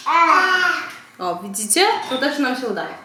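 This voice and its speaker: A woman's voice: medium pitch, moderate pace. A woman in her thirties, a mother vlogging at home, showing speech games to toddlers and chanting sounds for them. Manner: lively, sing-song sounds for toddlers. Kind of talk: casual vlog demonstration. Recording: echoey home room with noise.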